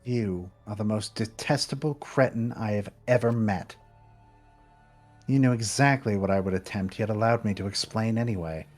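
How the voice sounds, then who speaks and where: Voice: medium pitch, moderate pace, a little mellow, faint music behind, close to an everyday voice. A streamer voicing a composed young maid, a woman desperate to survive, reading game dialogue with formal, stiff diction. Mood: cold.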